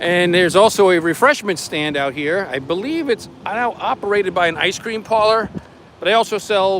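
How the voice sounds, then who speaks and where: A man talks with an American accent and ordinary pitch variation. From Long Island, New York. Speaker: real estate agent. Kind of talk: live-streamed walking tour. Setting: outdoors, walking in a park. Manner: casual, conversational.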